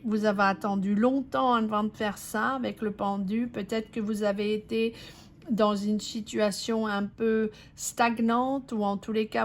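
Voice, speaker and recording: A woman reads tarot cards for her viewers. Her voice sits a little high and she talks slowly. She hesitates often and restarts her phrases, while keeping a reassuring tone aimed straight at the listener. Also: darkish tone. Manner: slow, hesitant, many fillers and restarts; reassuring, addresses the viewer directly. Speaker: tarot reader. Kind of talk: intuitive tarot reading.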